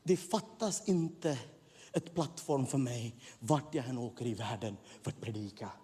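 A middle-aged man preaching a sermon as a pastor, moving between soft, low passages and loud, fervent peaks. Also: animated. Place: church hall. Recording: echoey hall, slightly husky.

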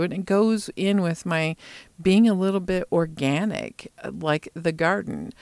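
A woman's voice: sits low, clear, resonant tone, no room sound. A middle-aged woman chatting casually in a rambling way, thinking aloud as she talks about her hobbies. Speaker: craft vlogger.

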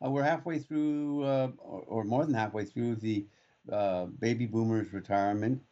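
A man's voice: lowish voice, normal speed, dark tone, highs cut off. A man co-hosting a radio talk show from a remote location, rambling with frequent restarts and fillers. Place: remote studio in Kamloops.

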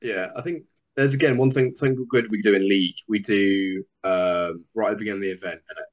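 Talking fast in a lowish voice, this male podcast guest wanders from point to point in relaxed conversation, performing the quoted lines of people he's spoken with. The recording comes across muffled and lo-fi.

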